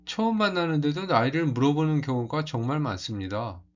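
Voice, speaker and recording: A man teaching as a language teacher, explaining culture in a calm, measured way. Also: on the high side, lo-fi sound.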